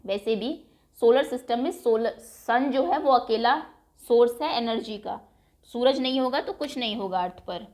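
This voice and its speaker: A woman teacher explaining an English lesson for young pupils, reading English lines slowly and then explaining them patiently in Hindi, repeating words aloud. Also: on the high side, a little mellow.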